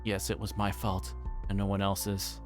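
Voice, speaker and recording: A man livestreaming a game, reading aloud and chatting in a halting way, stumbling over words. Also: low-pitched, monotone, over music. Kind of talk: reading a visual novel aloud and chatting with stream viewers. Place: livestream with music playing behind.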